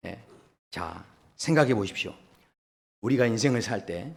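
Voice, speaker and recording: Lively, high-voiced man preaching. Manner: lively storytelling with laughs and acted quotes. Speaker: pastor. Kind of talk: sermon. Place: church sanctuary.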